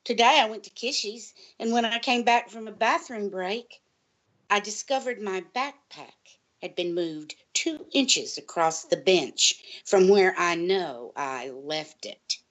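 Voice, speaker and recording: An actress playing a distraught, paranoid college librarian in an audio drama, earnest and insistent, halting and pleading in her delivery. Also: mid-range voice, fairly bright tone. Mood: anxious, wounded. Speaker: guest on a college radio show.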